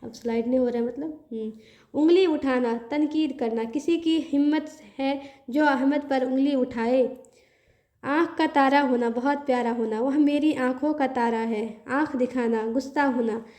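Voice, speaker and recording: A woman's voice: high-pitched, a little slow, darkish tone. A woman teaching an online grammar lesson, reading word lists aloud and explaining them in a chatty way with English words mixed in.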